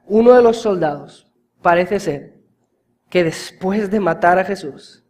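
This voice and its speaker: High-voiced impassioned man preaching a sermon. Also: a little slow. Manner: impassioned preaching, swings from hushed to loud emphasis; addresses the congregation directly as brothers. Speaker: pastor.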